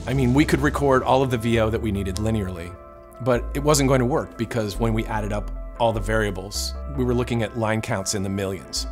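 Man, middle-aged, slightly low pitch, explanatory interview, music behind. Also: fairly quick. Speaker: game developer. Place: office interior.

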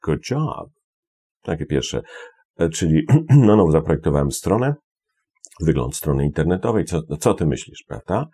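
A very deep-voiced man with a husky, breathy edge teaches English phrases in a lively, animated way. He explains casually, repeating words and leaning on fillers. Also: normal speed. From Poland. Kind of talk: online language lesson explaining phrases.

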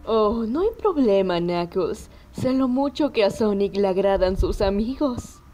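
A woman voicing a sweet but firm middle-aged mother hedgehog in a cartoon, polite and gently insistent. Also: medium pitch, animated, measured pace, lightly acted. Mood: cheerful, hospitable.

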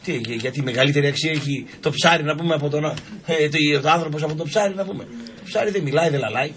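A man telling comic anecdotes on a radio show, acting out voices in his stories. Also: on the high side. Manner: animated, acts out voices in anecdotes. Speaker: radio show guest storyteller. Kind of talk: casual comic storytelling. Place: radio studio.

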